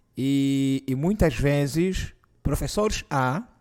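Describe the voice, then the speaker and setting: Lively intonation runs through a voice of dark, mellow tone. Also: man. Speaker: interviewer. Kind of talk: interview.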